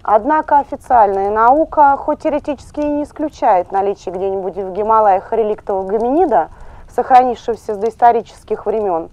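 A young woman giving formal, explanatory commentary as a television expert in a measured manner. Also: on the high side, darkish tone, no echo. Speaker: studio guest playing scientific expert.

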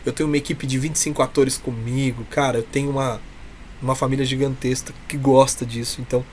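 A man's voice: mid-range voice, level tone, fast talker, a little mellow. A Brazilian man talks as a guest in an earnest interview, with a mid-range voice. He is emphatic and heartfelt in how he puts things. The webcam call carries some light noise. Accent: Brazilian Portuguese. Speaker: interview guest, clown performer from a humour troupe. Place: small room with a curtain backdrop. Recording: noisy webcam call audio.

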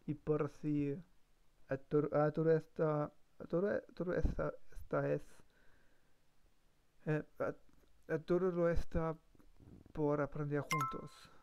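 A man's voice: fairly high pitch, little pitch movement, takes it slowly, long pauses, darkish tone, slight background noise. A man practicing on a live stream, hesitant, full of fillers and self-corrections. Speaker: language learner streamer. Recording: dull lo-fi stream mic.

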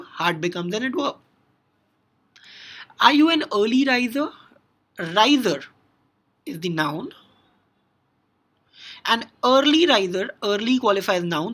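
A woman's voice: medium pitch, sharp tone, husky. A woman with an Indian English accent teaching a grammar lesson, explaining step by step with frequent "now" and "so".

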